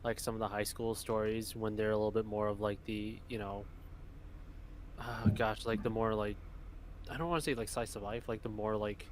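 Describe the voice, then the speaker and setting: A man's voice: on the low side, flat delivery, moderate pace, slight background noise. A man co-hosting a podcast in casual chat, hesitating and searching for his words.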